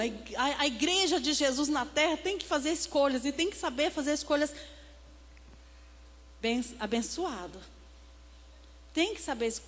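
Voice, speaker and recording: A woman's voice: sits high, big-room sound. A woman pastor preaching a sermon to her congregation, often calling out "amém?" and "né?" to them. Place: church.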